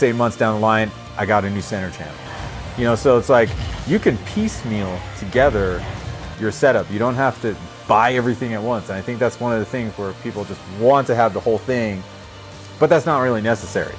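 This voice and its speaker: A man chatting casually through a home theater walkthrough in his living room, telling it in a rambling, animated, slangy way. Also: lowish voice. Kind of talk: casual gear walkthrough chat.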